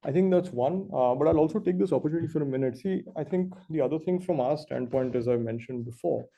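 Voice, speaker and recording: A man speaking as a company executive, giving measured, explanatory answers on an earnings call. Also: on the high side, gravelly, mellow.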